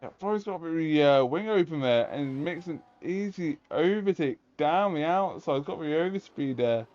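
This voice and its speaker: Guy doing live motor race commentary, voice a bit high, calls every move, kinda dull lo-fi mic. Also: animated, normal speed, darkish tone. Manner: running play-by-play calls mixed with rhetorical questions. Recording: dull lo-fi voice audio.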